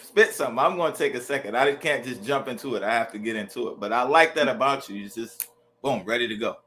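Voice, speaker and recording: A man's voice: mid-range voice, quick pace, sharp tone, slight background noise. A man hosting a casual interview, laid-back and upbeat, using slang. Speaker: interview host.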